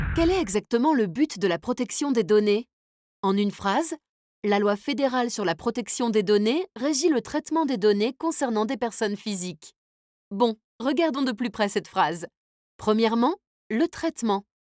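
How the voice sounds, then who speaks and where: At a moderate pace, a woman with a fairly high pitch speaks with lively intonation and long, frequent pauses. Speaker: voice actor. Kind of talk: e-learning narration. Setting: studio.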